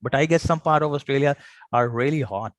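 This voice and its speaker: A man's voice: mid-range voice, fairly quick, dry recording. A man from Pakistan with a Pakistani accent, chatting casually and repeating phrases as he explains. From Lahore, Pakistan. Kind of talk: casual conversational chat.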